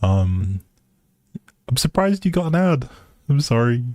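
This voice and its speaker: A man's voice: mid-range voice, big pitch swings, measured pace, a little mellow, no echo, clean studio sound. A man casually chatting with viewers as he hosts a game stream, easygoing and rambling in a hesitant way. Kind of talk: casual chat with viewers while gaming.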